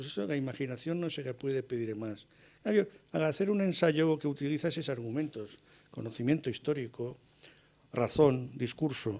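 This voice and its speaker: A man with a Mallorcan accent, fairly high in pitch, dark and mellow in tone, with lively intonation at a moderate pace. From Mallorca, Spain. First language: Mallorcan Catalan (speaking Spanish). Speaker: writer and essayist. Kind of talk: public conversation.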